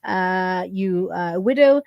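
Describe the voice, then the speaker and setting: A woman's voice: fairly low pitch, takes it slowly, vocal fry, no room sound, lo-fi sound. A woman co-hosting a radio show who often backs up the others and laughs, then leads into the next segment. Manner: affirming, frequent backchannel, laughs. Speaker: radio co-host. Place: radio studio.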